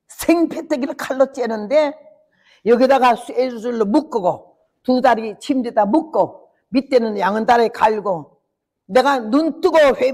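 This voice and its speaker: An older woman missionary preaches her testimony as a sermon, telling it with vivid, dramatic flair. Her voice is a little high and creaky with a darkish tone. The recording carries a long hall reverb.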